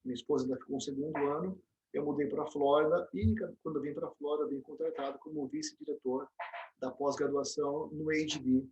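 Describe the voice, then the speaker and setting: A middle-aged Brazilian man being interviewed, telling animated stories with frequent restarts and tag questions. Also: a little high, fairly quick, highs cut off. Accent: Brazilian Portuguese. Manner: storytelling, animated, many restarts and "né?" tags. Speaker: interview guest, dentist and program director. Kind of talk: casual interview conversation.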